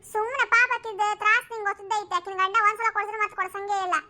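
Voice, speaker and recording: A firm, bossy village woman with a North Karnataka accent presses a neighbour with questions, as a voice actor puts her on. Her voice is high and bright, and she talks briskly. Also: fairly even intonation, full character voice. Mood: pressing. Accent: North Karnataka Kannada.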